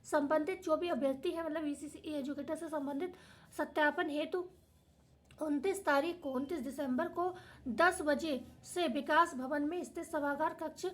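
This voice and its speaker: A young woman with a tired, hoarse voice, hosting an education channel and going through an official notice point by point in plain words. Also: high voice, moderate pace. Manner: reads notice then explains in plain words. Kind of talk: explaining official notice to viewers.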